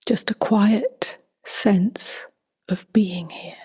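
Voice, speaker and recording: A woman speaking softly and gently in a near-whisper as she guides a meditation, unhurried, with long pauses. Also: medium pitch. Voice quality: soft, breathy, near-whispered. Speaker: meditation teacher.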